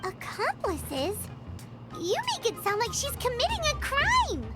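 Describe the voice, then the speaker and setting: A woman voicing a small, squeaky, childlike creature companion in a video game, excitable and easily worried. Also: measured pace, full character voice. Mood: indignant. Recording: loud game music behind. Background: loud music.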